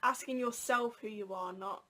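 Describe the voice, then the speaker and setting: A woman's voice: mid-range voice, moderate pace, sharp tone. A young adult woman co-hosting a casual chat, reading out viewer questions and answering them thoughtfully. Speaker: co-host.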